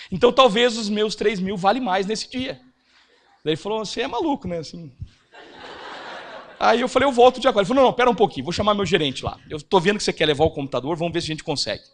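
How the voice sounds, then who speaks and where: A Brazilian man giving a church finance seminar, telling a personal testimony and acting out the dialogue. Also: on the high side. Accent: Brazilian Portuguese. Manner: animated storytelling, acts out quoted dialogue.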